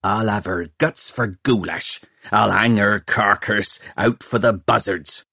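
A man voicing a gruff, blustering pirate mayor in an audiobook, snarling and hissing with rough, ungrammatical speech. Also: on the low side, slow pace, pushed and bright, dry recording, exaggerated voice. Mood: vengeful, menacing. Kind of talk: audiobook character voice.

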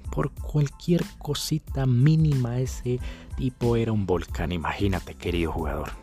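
A man's voice: medium pitch, unhurried, warm tone, faint music behind. A young man with a Colombian accent telling dating stories in a gossipy, slangy way, repeating phrases for effect. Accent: Colombian Spanish. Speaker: dating coach. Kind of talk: casual storytelling to camera.

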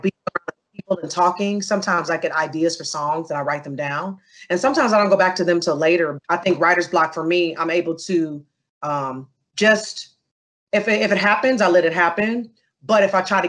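Expressive woman telling stories in an interview. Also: fairly low pitch. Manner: animated, expressive storytelling with asides to the listener. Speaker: interview guest. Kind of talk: casual interview conversation.

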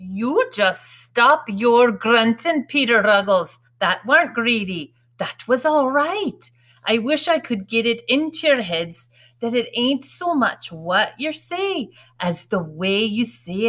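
A woman's voice: a little high, fairly bright tone, voice pushed up. A woman voicing a proud, fussing working-class mother who drills and scolds her children in folksy, ungrammatical speech in a storybook reading. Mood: scolding.

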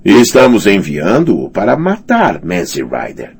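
A man voicing a cold, scheming knight who speaks in a measured, sly way. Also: sits low, huge pitch swings, creaky, breathy edge, pitched above the performer's own voice, full character voice. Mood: sneering. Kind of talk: audiobook character reading.

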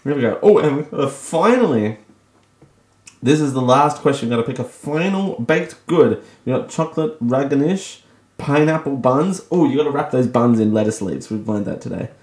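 A man's voice: medium pitch, animated, normal speed, a little mellow. An Australian man hosting a radio show, chatting casually on his own, joking at his own expense and laughing often. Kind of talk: casual solo radio talk. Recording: echoey room.

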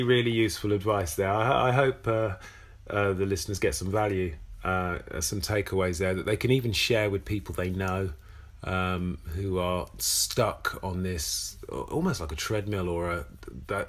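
A man with a fairly low voice hosts a podcast conversation. He is supportive of his guest and hesitates now and then with fillers and restarts. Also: a little slow. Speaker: podcast host. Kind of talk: casual conversational interview.

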